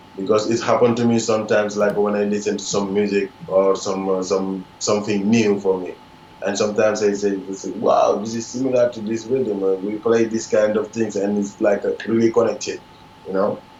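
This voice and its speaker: A man talks fairly quickly in a monotone, flat intonation while noticeable noise runs in the background. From Senegal. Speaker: musician. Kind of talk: casual interview chat. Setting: video call. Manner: halting, searching for words.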